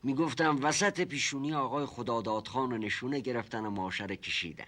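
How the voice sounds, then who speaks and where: A man's voice: mid-range voice, pushed and bright, natural voice. An actor playing a humble, hesitant older male servant in a TV comedy drama, stammering and evasive. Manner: stammering, evasive, fond of repeating himself.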